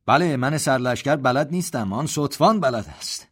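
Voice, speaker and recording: A man voicing a proud, white-haired army general who gives orders in a raised, loud voice. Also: medium pitch, pitched above the performer's own voice, natural voice. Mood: commanding.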